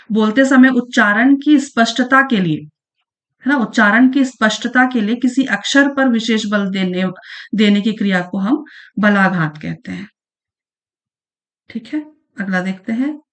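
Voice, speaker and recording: A woman teaching an online exam-prep lesson, patiently repeating each definition and checking in with the listener as she goes. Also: on the high side. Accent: Chhattisgarhi Hindi. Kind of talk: online lesson going through past exam questions.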